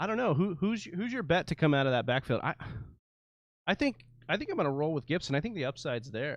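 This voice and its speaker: This man talks loudly at a very fast pace, his fairly high pitch making very wide swings. He leaves long, frequent pauses. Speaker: fantasy football podcast host. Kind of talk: casual chat. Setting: live stream.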